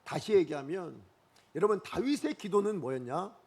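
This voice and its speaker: A man's voice: high voice, very animated, moderate pace, a little mellow. A male pastor preaching a Sunday sermon, often putting rhetorical questions to the congregation. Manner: leads the congregation in unison scripture reading.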